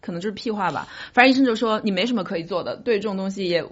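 A woman's voice: mid-range voice, very fast. A woman podcast host chatting casually and telling personal stories in a light-hearted, joking way. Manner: light-hearted, jokes about own troubles. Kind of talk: casual chat, personal storytelling. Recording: dull lo-fi audio.

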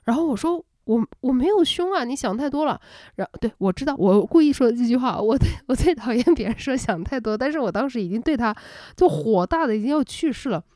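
A young woman from Shanghai, podcast host, telling a story in an exasperated late-night rant, acting out quoted voices with rising pitch, recorded close at home in bed. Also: expressive, fast talker, mellow, dry recording. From Shanghai, China. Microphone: close home recording, unedited.

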